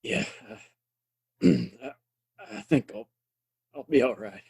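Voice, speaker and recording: An actor playing a sombre, shaken townsman in a Western audio play, speaking gravely in a husky voice. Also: on the low side, very animated, slow, darkish tone, full character voice. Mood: shaken, subdued.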